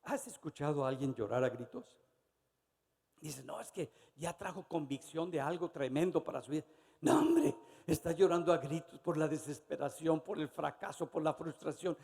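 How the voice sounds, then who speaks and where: A man preaching a sermon, dramatic and theatrical, acting out little voices and swinging from loud to hushed. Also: a little high, animated, normal speed, creaky, breathy edge. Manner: dramatic preacher, acts out voices, varies loudness widely. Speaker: pastor. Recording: long hall reverb.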